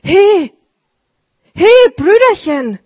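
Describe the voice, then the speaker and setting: A woman voicing a kindly, excitable old male shoemaker in a storybook reading, speaking eagerly with a raised voice. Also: high-pitched, slow, no echo, pitched above the performer's own voice. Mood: friendly. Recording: dull lo-fi recording.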